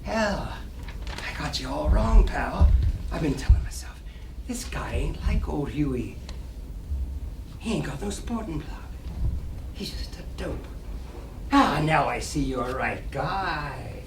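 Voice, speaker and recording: A man's voice: a little high, very animated, slow pace, gravelly, pauses often, heavily acted. A man playing a brash, boastful 1920s New York gambler with slangy swagger in a staged play reading. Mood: warm, relieved. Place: library reading room, public event. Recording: roomy, distant mic, noisy room.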